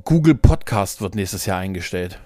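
A man's voice: sits low, animated, normal speed, warm tone. A man chatting casually as a podcast co-host, telling stories in a rambling, jokey way.

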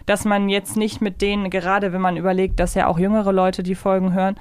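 A woman with a medium-pitched voice co-hosts a review podcast. She talks in a conversational way, and the recording is dry, with very little room sound. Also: level tone, brisk, a little mellow, clear, resonant tone, no echo. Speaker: podcast co-host. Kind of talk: conversational audio drama review.

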